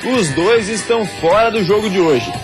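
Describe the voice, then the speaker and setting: Male sports reporter, high voice, voice-over with clear music underneath. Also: lively intonation, normal speed. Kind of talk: scripted news narration.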